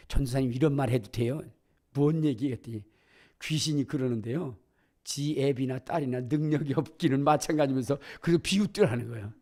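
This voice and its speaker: A middle-aged man preaching a sermon as pastor, telling stories with acted-out voices and rising to loud exclamations. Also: mid-range voice. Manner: animated storytelling, acting out voices, builds to shouts.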